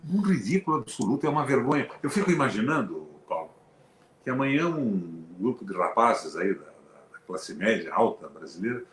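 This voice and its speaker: A man's voice: medium pitch, fairly quick, slight background noise. An older Brazilian man, a former senator, talking politics in an emphatic, sarcastic way. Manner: emphatic, animated, with sarcastic asides. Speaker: former senator, show host. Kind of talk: political conversation. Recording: echoey room.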